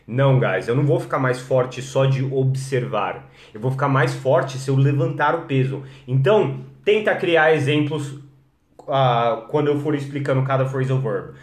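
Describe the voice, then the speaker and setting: A man with a Brazilian Portuguese accent teaching English phrasal verbs on a live stream, energetic and coaching, calling his viewers guys. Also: mid-range voice, normal speed, roomy sound.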